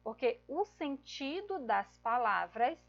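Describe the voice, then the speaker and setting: A woman's voice: fairly high pitch, sing-song, slow pace, gravelly, dull audio. A woman teacher giving a grammar lesson, explaining patiently step by step and checking in with her listeners.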